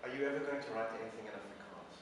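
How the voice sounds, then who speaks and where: A man's voice: lowish voice, racing. A man interviewing two authors, asking questions in a hesitant way as he searches for words. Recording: echoey hall, far mic, background noise.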